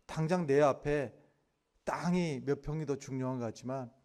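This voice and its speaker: A male pastor preaching a sermon, moving from quiet, earnest talk to loud, impassioned pleading. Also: mid-range voice, normal speed.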